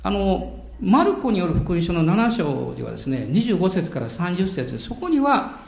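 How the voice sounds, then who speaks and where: An older man preaching in an echoey room. His voice sits high and swings widely in pitch as he tells stories with dramatic pauses and the odd chuckle. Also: very animated, gravelly. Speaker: pastor. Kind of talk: sermon.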